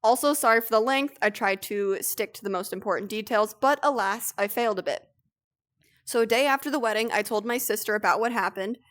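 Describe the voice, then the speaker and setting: A young woman co-hosting a casual stream, reading posts aloud and telling stories with lively, profane energy. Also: on the high side, a little fast. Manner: animated storytelling, swears freely. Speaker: streamer, co-host.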